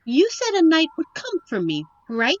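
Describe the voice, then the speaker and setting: A woman's voice: very high-pitched, huge pitch swings, moderate pace, dull audio, full character voice. A woman playing a sheltered young princess in a fantasy audio drama, fussy, eager and melodramatic. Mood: indignant. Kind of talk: fantasy audio roleplay acting.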